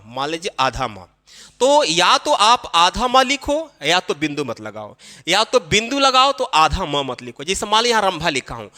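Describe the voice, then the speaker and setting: High, lively male teacher in an echoey room. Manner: explains slowly and repeats himself, addressing children. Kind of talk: classroom-style spelling lesson.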